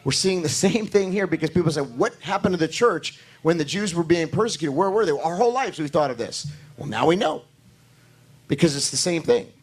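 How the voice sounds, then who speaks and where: A man preaching a sermon to his congregation with a hoarse voice, building emphasis through repetition and calling for amens. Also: a little high, lively intonation, fairly quick. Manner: talks to the congregation directly, asking for amens. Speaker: pastor.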